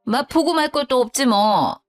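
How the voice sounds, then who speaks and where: A woman's voice: high-pitched, lively intonation, moderate pace, soft background music. A woman voicing a curt, self-pitying widowed older mother-in-law who grumbles bluntly. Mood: defensive.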